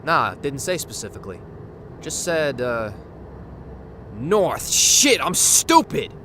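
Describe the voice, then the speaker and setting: A man's voice: medium pitch, sing-song, takes it slowly. A man playing a loyal tough guy with casual, clipped slang in an audio drama. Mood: worried. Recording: faint outdoor car noise.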